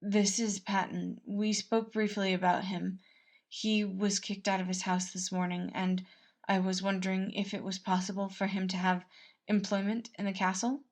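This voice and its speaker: A woman voicing an earnest, protective male royal advisor in a measured, formal way for a storybook tale. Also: mid-range voice, level tone, close to an everyday voice. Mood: earnest, polite.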